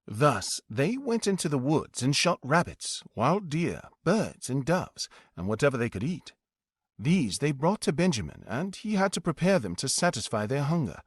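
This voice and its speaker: A man narrating a scripted fairy tale in an expressive, dramatic storytelling manner. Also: on the high side, moderate pace, breathy edge, no room sound, studio quality. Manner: expressive, dramatic reading with acted dialogue.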